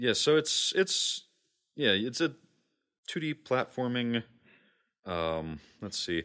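Very slow, medium-pitched male speech with very wide pitch swings, long and frequent pauses, and a bright, sharp tone, on a very clean recording against a silent background. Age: 20s. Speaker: gaming podcast co-host. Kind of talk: casual chat.

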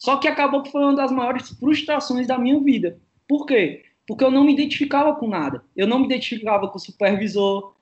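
A man's extremely high voice, with ordinary pitch variation and a fairly quick pace. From Sobral, Ceará, northeast Brazil. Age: 20s. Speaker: network marketing distributor. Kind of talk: podcast interview.

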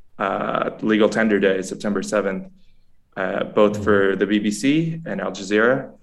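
A man with an American accent speaks at a fairly low pitch, with audible room echo. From US, New York. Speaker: bitcoin educator, former UN press officer. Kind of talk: casual interview. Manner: halting with frequent repetitions.

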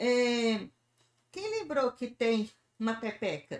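Very slowly, a woman speaks in a high pitch. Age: 50s. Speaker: sexologist. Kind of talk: radio interview. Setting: radio studio.

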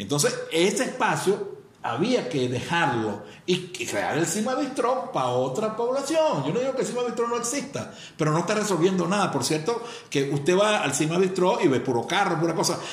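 A man's high-pitched voice with very wide pitch swings at a moderate pace, with audible room echo and noticeable background noise. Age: 60s. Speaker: psychiatrist and former mayor. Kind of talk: political talk show interview.

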